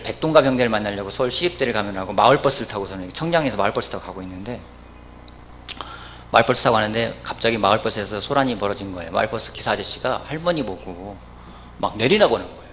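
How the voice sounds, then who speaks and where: A man preaching a weekday church sermon, telling stories and acting out the people he quotes. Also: a little hiss or hum. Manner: storytelling, acting out quoted voices, lively pitch. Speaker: pastor. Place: church service.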